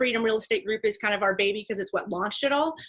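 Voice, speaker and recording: A woman speaks with a fairly high voice. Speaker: real estate entrepreneur. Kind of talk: interview. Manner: fast.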